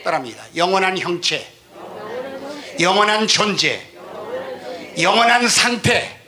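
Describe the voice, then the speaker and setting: A male pastor from Chungcheong teaching a Bible class, leading the class in repeating lines after him and swinging from quiet asides to shouted declarations. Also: high-pitched, sing-song, measured pace, crowd noise. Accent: Chungcheong Korean. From Chungcheong, Korea. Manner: leads call-and-response reading, swings from soft to shouting. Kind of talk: sermon-style Bible class.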